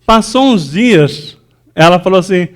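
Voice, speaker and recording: A man with a high voice preaches a sermon in a church. He talks loosely, with many fillers and restarts, and he acts out the words of the people in his stories. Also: expressive, unhurried. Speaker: pastor.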